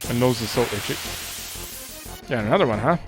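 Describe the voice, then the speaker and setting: Speaking a little fast in an animated, medium-pitched voice, this let's play host is a man in his thirties. He rambles through offhand commentary while playing and voices the on-screen dialogue over the game's music.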